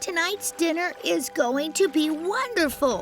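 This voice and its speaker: A woman's put-on character voice, high-pitched and fairly slow, with clear music in the background. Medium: read story. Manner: cheerful, warm.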